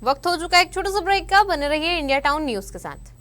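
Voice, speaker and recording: A woman reading regional news bulletins as anchor in a formal, even newsreader style. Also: sits high, fast.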